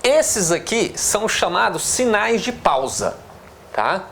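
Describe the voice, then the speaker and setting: A man's voice: high-pitched, big pitch swings, slow pace, vocal fry, fairly bright tone, a little hiss or hum. A man with a Brazilian Portuguese accent teaching a lesson on punctuation. He explains step by step, drags out words while writing on the board and keeps checking in with "tá?" and "né?". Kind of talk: classroom lecture on punctuation.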